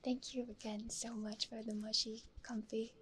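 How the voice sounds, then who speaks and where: A woman streaming ASMR in a hushed, breathy whisper, speaking gently and intimately close into a stereo microphone. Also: on the high side, flat delivery, moderate pace, slight background noise.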